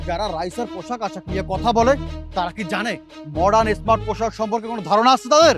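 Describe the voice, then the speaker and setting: A man's voice: high-pitched, lightly acted. An actor playing a scornful young man who defiantly dismisses village opinion. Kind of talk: television drama acting.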